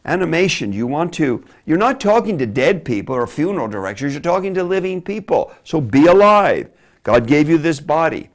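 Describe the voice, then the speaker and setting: A man giving a teaching lecture on preaching delivery, animated and demonstrative, dropping from loud emphasis to hushed asides. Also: fairly high pitch, moderate pace. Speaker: Bible teacher.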